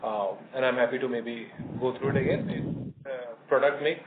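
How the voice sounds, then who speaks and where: A man with an Indian accent answering analysts on an earnings call as a company executive, in a measured, hesitant manner. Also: mid-range voice, fairly even intonation. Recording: noisy narrowband phone conference line.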